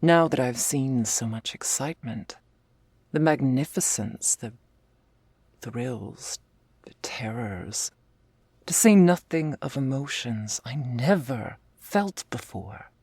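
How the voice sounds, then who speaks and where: Casting: woman playing gruff, blunt female half-orc commander with a soft side, gravelly and slow, for ASMR ASMR role-play. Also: animated, no echo, exaggerated voice. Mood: earnest, confiding. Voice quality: low husky, breathy, gravelly voice. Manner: slow confessional delivery, often dropping in a soft voice.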